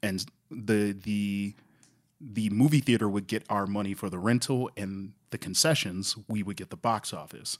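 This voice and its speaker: On a very clean recording with a silent background, a man with an ordinary speaking voice talks at a moderate pace and a fairly low pitch, with ordinary pitch variation. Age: 20s. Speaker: independent filmmaker. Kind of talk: casual chat.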